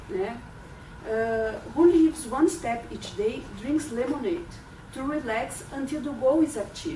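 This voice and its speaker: Audible room echo surrounds a woman speaking fairly slowly at a high pitch with lively intonation. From southern Brazil, Porto Alegre. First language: Portuguese. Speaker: lawyer, club speaker. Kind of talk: prepared club speech. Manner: halting, with fillers and restarts.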